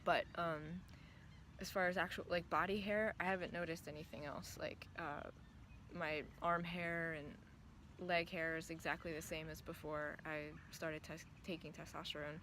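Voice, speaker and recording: A man's voice: fairly high pitch, normal speed. Trans man, voice still reads female. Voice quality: voice still often heard as female. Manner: thoughtful, hesitant, many ums and restarts. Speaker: vlogger. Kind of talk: casual reflective vlog. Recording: steady clear background noise.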